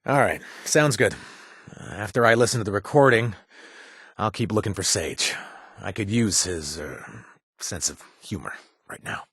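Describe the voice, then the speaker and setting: A man's voice: lowish voice, animated, measured pace, pauses often, fairly bright tone, husky, dry recording, heavily acted. A man voicing a wry, sarcastic wasteland ally in a video game, talking with dry humor and frequent hesitations. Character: wry, sardonic wasteland man worried for his brother.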